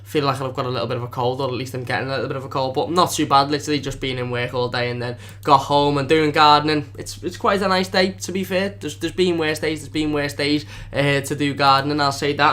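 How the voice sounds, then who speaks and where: A man's voice: a little high, fairly bright tone. A young man hosting a casual live stream as a fan channel host, rambling with lots of fillers, feeling slightly under the weather. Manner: fast, rambling, filler-heavy.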